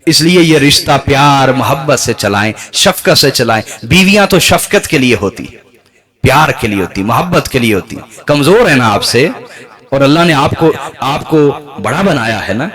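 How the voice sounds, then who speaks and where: A man's voice: mid-range voice, lively intonation, a bit bright. A man giving a sermon, telling stories, acting out quoted voices and asking the audience questions. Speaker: preacher. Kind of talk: Urdu sermon with storytelling.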